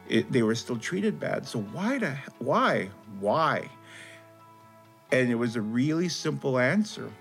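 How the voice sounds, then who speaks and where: A man's voice: medium pitch, big pitch swings, measured pace, gravelly, faint music behind. A man giving an interview, speaking with passion and earnestness.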